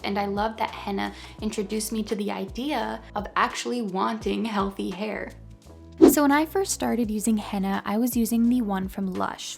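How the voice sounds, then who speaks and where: A woman in her twenties with a New York accent, calmly telling a personal story to camera for her vlog. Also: on the high side, gravelly. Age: 20s. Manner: calm and mellow. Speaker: beauty vlogger.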